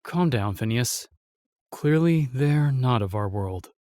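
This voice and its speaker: A man playing a solemn, remorseful knight in a fantasy audio drama, telling things in a halting, weighty way. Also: mid-range voice, expressive, darkish tone, no echo, studio quality. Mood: firm, calming. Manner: halting, weighty storytelling with sighs and pauses. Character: solemn, remorseful knight, sworn protector of the realm.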